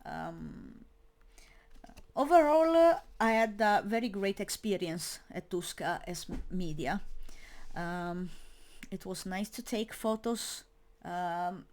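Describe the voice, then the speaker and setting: A young woman talks through her year in a loose, unscripted monologue, in English that is not her first language. She goes at a slow pace and leans heavily on fillers, often restarting a phrase before finishing it. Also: mid-range voice, expressive, a little mellow. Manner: hesitant, many fillers and restarts; non-native English speaker. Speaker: metal media creator. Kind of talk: casual spoken monologue.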